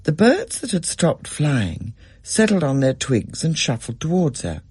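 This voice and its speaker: Man, story narration, animated, dry close sound. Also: a little high, slightly rough, no room sound. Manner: expressive, measured storytelling.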